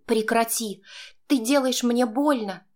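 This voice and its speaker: A woman doing a shrill, furious young woman in tears. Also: slow pace. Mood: tearful shouting. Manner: shrill, shouting through tears. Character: young woman Yana, defiant, tearful, furious. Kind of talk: audiobook character voice.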